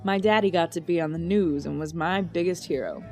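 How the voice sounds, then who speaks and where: An actress playing a plain-spoken, teasing police detective in an audio drama, easygoing in manner. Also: female voice, lowish voice, brisk, darkish tone, faint music behind, lightly acted. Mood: fond reminiscing.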